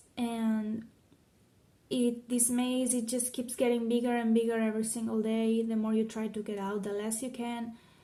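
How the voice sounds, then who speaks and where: Through audible room echo, a woman speaks at a fairly high pitch with a dark, mellow tone and monotone, flat intonation. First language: Spanish and Catalan. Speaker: vlogger. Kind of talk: personal vlog monologue. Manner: halting, with many fillers and restarts.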